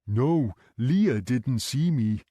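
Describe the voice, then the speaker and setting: A man's voice: medium pitch, expressive, drawn-out words, dark tone, no room sound, studio quality. A man doing a childlike, cheeky man. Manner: short blunt phrases, mischievous. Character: childlike, simple-spoken adult male care home resident.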